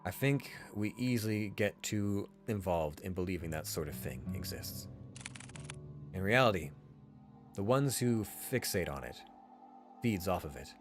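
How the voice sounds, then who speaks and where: A serious, guarded detective from a visual novel , played by a man, with a fairly low voice. He speaks in a measured, deliberate and composed way over music. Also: expressive. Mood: grave, reassuring. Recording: music behind the voice.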